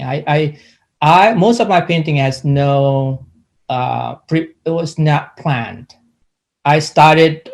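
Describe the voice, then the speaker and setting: A middle-aged man from Indonesia speaks in a slightly raised register and talks about his work in a halting, searching way. He stops often and restarts his sentences, with frequent pauses between thoughts. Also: on the high side. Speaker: artist. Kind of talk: casual interview answers.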